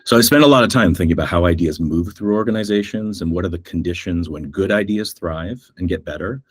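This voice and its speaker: A middle-aged man from Canada with a North American accent, speaking as an agency executive in a thoughtful interview, measured with frequent ums. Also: deep voice, breathy edge, dry recording. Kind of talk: reflective interview talk.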